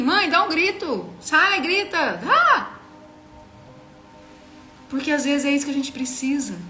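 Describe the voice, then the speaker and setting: A woman's voice: fairly high pitch, fairly bright tone. A woman in her thirties with a Brazilian Portuguese accent, giving an earnest, emphatic devotional teaching and speaking straight to the listener.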